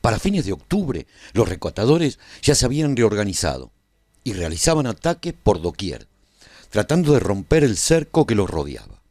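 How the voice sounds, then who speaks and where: A man's voice: fairly low pitch, big pitch swings, normal speed, a little mellow, dry recording, clean studio sound. An actor playing a male resistance veteran who narrates a post-apocalyptic war in a scripted radio serial. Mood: grave, measured.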